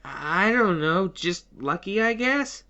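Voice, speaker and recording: A woman's voice: mid-range voice, animated, takes it slowly, sharp tone. A woman playing a timid, earnest, hesitant crafter in an audio comedy drama. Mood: unsure, earnest. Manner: hesitant, nervous. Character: timid, anxious, earnest crafter named Tristan. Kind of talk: audio fiction comedy acting. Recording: dull, band-limited microphone sound.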